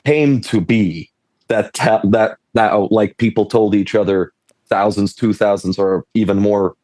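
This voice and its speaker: Man, low voice, dry sound. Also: steady tone, measured pace, darkish tone, dry recording. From Switzerland. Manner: rambling, self-interrupting, laughs often. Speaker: panelist, game designer. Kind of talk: casual panel discussion.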